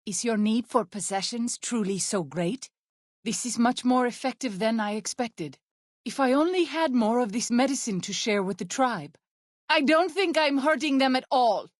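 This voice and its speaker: A woman playing an earnest, protective tribal healer in a video game, speaking in formal, measured wording. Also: fairly high pitch, lively intonation, dry recording, studio quality. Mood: alarmed. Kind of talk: video game character voice lines.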